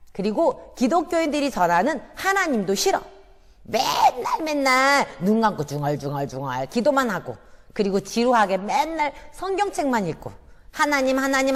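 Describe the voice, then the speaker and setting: A defiant little tomboy girl, voiced by a woman telling a children's story, whines and mocks in a high, bouncy voice that leaps up and down. Her complaints ring out with a long echo, as if in a large church hall. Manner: whiny, loud and mocking.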